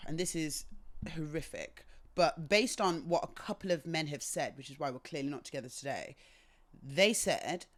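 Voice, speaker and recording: This is a lower-voiced woman from England who speaks with a British accent. She is a guest in a relaxed conversation and tells her stories articulately and with plenty of expression. Her delivery is animated and engaged. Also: normal speed. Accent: British English. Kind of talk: casual conversation.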